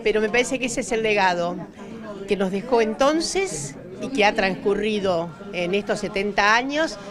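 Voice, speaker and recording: A woman's voice: mid-range voice, lively intonation, moderate pace. Oratorical woman over crowd noise. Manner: oratorical, ornate phrasing. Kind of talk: interview answer. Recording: busy crowd behind.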